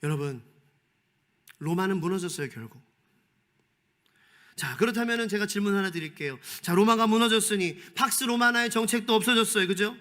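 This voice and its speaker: A man's voice: high voice, brisk, pauses often, bright, forceful tone. A male pastor preaching a sermon, emphatic, asking the congregation rhetorical questions and moving between formal and casual speech.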